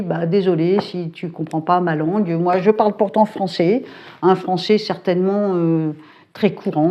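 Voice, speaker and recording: In lo-fi audio, a lower-voiced woman, a psychic YouTuber, chats casually from home in talking-head style. Her speech is brisk and colloquial with lots of filler tags and hesitations, and she labels herself hyperactive.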